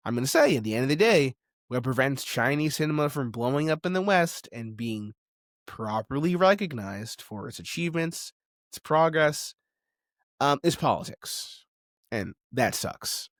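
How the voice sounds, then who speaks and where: A man's voice: mid-range voice, no room sound, studio quality. A man delivering opinionated video essay commentary in a conversational, insistent way, with informal asides. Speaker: commentator on film and animation.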